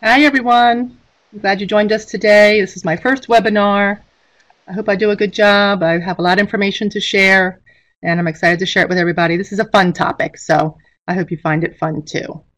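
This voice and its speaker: A middle-aged woman teaches an online webinar in an informal way. Her voice sits at a medium pitch, and she talks through her material as a teacher would, speaking into a computer on a video call. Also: fairly even intonation, fairly quick, a bit bright. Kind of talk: informal instructional presentation. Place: indoor room, on a webcam video call.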